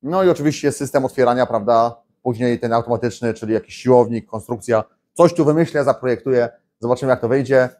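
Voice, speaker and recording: Speaking fast with hardly a pause, a man in his thirties uses a mid-range, darkish voice for his garage-workshop DIY vlog. The how-to talk is loose and chatty, with plenty of fillers and restarts.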